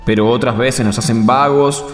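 A man's voice: mid-range voice, fairly even intonation, normal speed, lightly acted. An Argentine man playing a well-meaning young volunteer in a radio drama, apologetic and earnest as he explains himself. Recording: echoey hall reverb, music behind.

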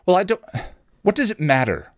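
A man puts on a haughty young woman for an audio story. The voice is sneering and snappish, raised in pitch, close and dry. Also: wildly swooping pitch, a little fast, no room sound. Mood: flustered.

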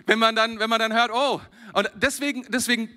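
German male preacher, high bright voice, animated sermon with frequent chuckles. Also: a little fast. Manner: animated, chuckles often between phrases. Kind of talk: lively sermon to a congregation.

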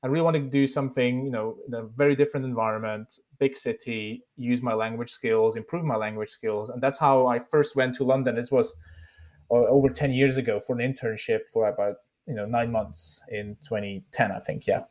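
A man's voice: mid-range voice, fairly even intonation, a little fast, a little mellow. A man in his thirties from Switzerland, whose first language is Bosnian, talking reflectively as a podcast guest and often restarting his sentences. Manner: reflective, many fillers and restarts. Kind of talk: casual interview chat.

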